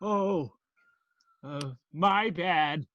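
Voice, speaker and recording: An actress playing an oblivious, intrusive patron in a comedy sketch, with a halting, drawn-out delivery. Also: female voice, on the low side, dull audio. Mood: sheepish. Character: oblivious intrusive patron asking for song requests. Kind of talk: virtual staged comedy sketch reading.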